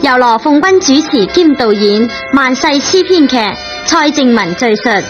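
A woman's voice: high-pitched, animated, a little slow. A woman giving a scripted announcement as a radio drama announcer. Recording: dull lo-fi radio recording. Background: clear music.

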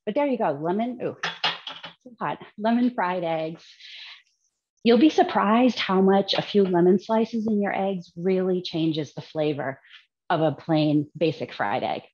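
Low-voiced woman demonstrating a recipe. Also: a little slow, lo-fi sound. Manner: relaxed, chatty, explains as she cooks. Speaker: cookbook author demonstrating a recipe. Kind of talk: casual cooking demonstration. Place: home kitchen at the stove.

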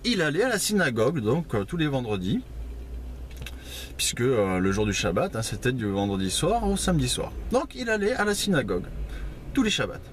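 Male preacher, mid-range pitch, informal house-church Bible teaching, rambling asides, faint noise behind. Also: sing-song, brisk. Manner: conversational, many fillers and asides.

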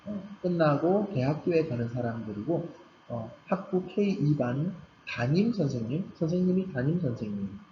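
Animated male teacher in an echoey room. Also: a little high. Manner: patient, repeats key points with emphasis. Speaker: Korean language teacher. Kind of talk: recorded grammar lecture for beginners. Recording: roomy, slightly dull recording with faint background hum.

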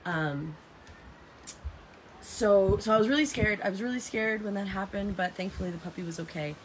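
A woman in her thirties, her voice raspy from heavy singing, talks dramatically and casually to her live stream audience at medium pitch and normal speed, repeating phrases to stress them. She's on a house's open porch by the garden, recorded noisily outdoors on a phone at arm's length.

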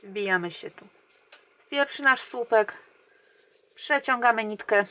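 A woman guiding viewers through a crochet pattern step by step, counting stitches aloud in a calm, quiet way that often trails off. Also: on the high side, a little slow. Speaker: crochet tutorial host.

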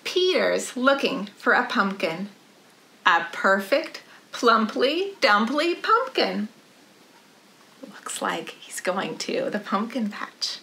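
A middle-aged woman leading a storytime for young children in an animated, rhythmic sing-song delivery, recorded in a living room. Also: on the high side, vocal fry, slight background noise. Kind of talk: children's storytime read-aloud.

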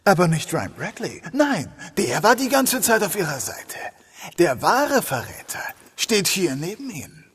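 An actor playing a determined detective inspector in a crime radio play, assertive and deliberate. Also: male voice, sits high, wildly swooping pitch, a bit bright, breathy edge, exaggerated voice. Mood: confident, accusing. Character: determined, confrontational male police detective inspector. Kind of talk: German crime audio drama acting.

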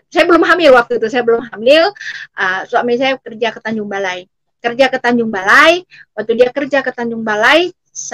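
A woman's voice: on the high side, a bit bright, no room sound. A middle-aged woman from Riau in Indonesia tells her personal testimony and repeats phrases again and again as she goes. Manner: repeats phrases over and over while telling her story. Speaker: guest giving a personal testimony.

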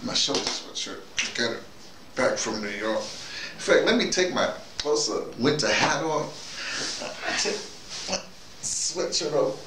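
A middle-aged American man giving a rambling, casual monologue to camera, halting and repeating words as he digresses. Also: on the high side, lively intonation. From North America. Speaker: host of a personal video dispatch. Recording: echoey room, distant mic, noisy background.

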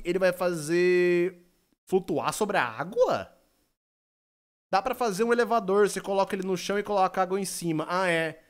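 Young man, Brazilian Portuguese accent, high-pitched, joking streamer, rambling chat, desk mic. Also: clear, resonant tone. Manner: playful, joking, reads chat aloud, rambling. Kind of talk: casual live-stream chat while gaming.

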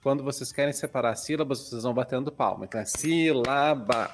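A man's voice: mid-range voice, quick pace, background noise. A man writer in a casual panel chat, joking and poking fun at himself. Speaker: guest writer.

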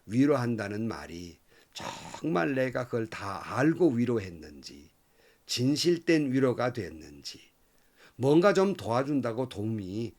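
A male pastor delivers a morning devotional sermon in a gravelly, mid-pitched voice. He presses his listeners with earnest rhetorical questions and often trails off into a near whisper. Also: very animated, a little slow, darkish tone.

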